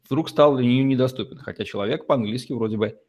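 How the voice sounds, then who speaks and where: Male host, average pitch, probing, thoughtful interviewer. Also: fast talker, muffled recording. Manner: thoughtful, long probing questions. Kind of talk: interview conversation.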